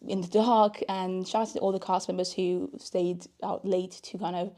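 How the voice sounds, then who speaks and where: A young woman vlogging late at night, sounding tired and a little worn. She talks in a chatty, easygoing way to a handheld camera, with soft laughs here and there. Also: fairly low pitch, little pitch movement, normal speed. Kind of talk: casual vlog narration. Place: outdoors at night by a hotel and fountains, then a hotel room.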